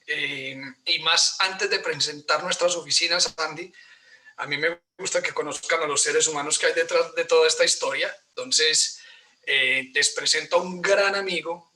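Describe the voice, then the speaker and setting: Colombian man, Antioquian accent, forties, webinar host, bright tone, slightly high voice, polite, frequent fillers, video call. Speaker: host and real estate broker. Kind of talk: online webinar presentation.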